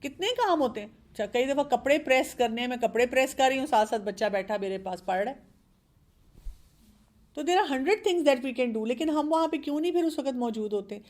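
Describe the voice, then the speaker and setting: Middle-aged woman parenting expert, kinda high voice, earnest, lots of examples from her own kids. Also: hardly any pauses, a little mellow. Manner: earnest, explaining with examples from her own children, mixing in English words. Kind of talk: advice talk on a show.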